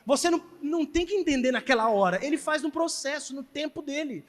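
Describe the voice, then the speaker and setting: A man preaching as pastor, telling a testimony with animated storytelling and emphatic exhortation. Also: very high voice, fast. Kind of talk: sermon with testimony. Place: church hall. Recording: church hall reverb.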